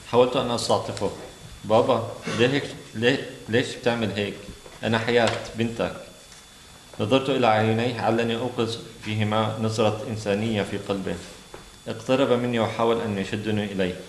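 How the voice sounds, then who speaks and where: Man, native Arabic speaker, low creaky voice, author at a reading, roomy echo, faint noise. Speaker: novelist reading from his own book. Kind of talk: author reading and commenting at an event. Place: indoor literary venue.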